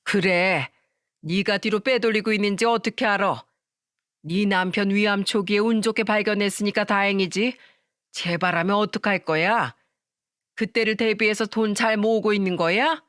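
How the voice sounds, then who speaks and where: A woman's voice: medium pitch, normal speed, fairly bright tone, dry recording, natural voice. Storybook mother-in-law, harsh and suspicious, scolding tone, dry close read; a woman voices her. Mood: accusing. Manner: scolding, accusing.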